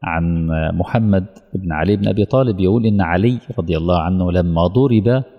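A man preaching a sermon with an Egyptian Arabic accent, emotional and emphatic, slowing down and dropping to hushed tones. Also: deep voice, highs cut off. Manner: emotional, slow emphatic preaching that drops to near-whispers. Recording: long hall reverb.

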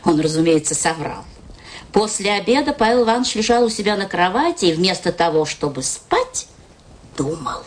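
A woman narrating a literary story in a radio play, in an expressive storytelling manner. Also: lowish voice, normal speed. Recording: radio play with music underneath.

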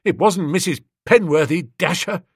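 A man voicing an agitated young man who rushes out indignant complaints. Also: high-pitched, slightly rough, no room sound, clean studio sound, voice pushed up. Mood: bitter.

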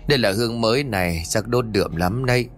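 Man doing a gruff old village sorcerer. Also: close to an everyday voice. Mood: fussy. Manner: low muttering, slow curses.

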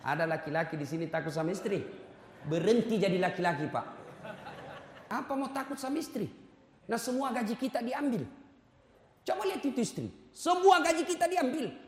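A male preacher gives a lively, humorous sermon, teasing the audience and urging them on. His voice sits high for a man. Everything rings with the long reverb of a large hall. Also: fairly quick, long pauses, a little hiss or hum. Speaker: ustadz, preacher.

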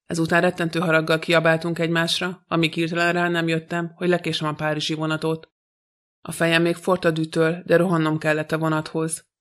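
A storybook's defiant young son, bitter and hot-tempered, as a male narrator reads him. The delivery stays flat and even. The voice sits a little high for a man. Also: lightly acted.

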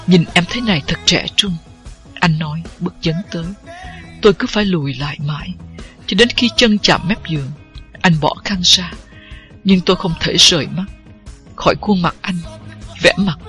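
An audiobook narrator reading a first-person novel at a steady, unhurried pace. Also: mid-range voice.

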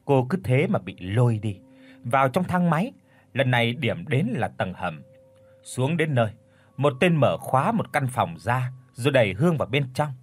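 Husky male audiobook narrator. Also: medium pitch, moderate pace, soft background music. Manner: dramatic, expressive. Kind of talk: storytelling narration.

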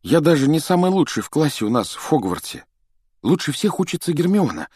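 Male reader as an earnest, anxious teenage wizard boy; hushed, lively delivery. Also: a little high, fairly quick, breathy edge, no echo, clean studio sound, voice pushed up. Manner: hushed, urgent, apologetic. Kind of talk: audiobook character voice.

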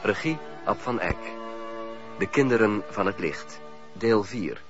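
A man's voice: lowish voice, expressive, measured pace. A man formally reading out the title and cast of a radio drama as its announcer. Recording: dull radio recording over music. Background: music.

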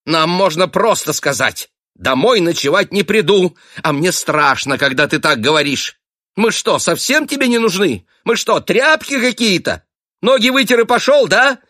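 A man voicing a shrill, furious wife who screeches accusations at her husband in an audiobook. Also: pushed and bright, no room sound, studio quality, full character voice. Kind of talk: audiobook character voice.

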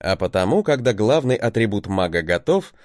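A man's voice: fairly low pitch, very animated, fairly quick, darkish tone, no echo, clean studio sound. A man giving a wry, conversational first-person audiobook narration.

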